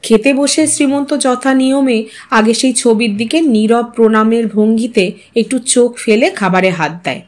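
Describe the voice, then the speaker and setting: A woman storyteller narrating literary fiction in an expressive style. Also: fairly high pitch, moderate pace.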